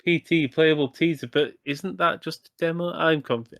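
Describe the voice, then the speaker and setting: A man's voice: a little high, fairly even intonation, normal speed, fairly bright tone, no echo, studio quality. A man co-hosting a gaming podcast, talking casually in rambling, self-correcting sentences and swearing now and then. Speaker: podcast co-host.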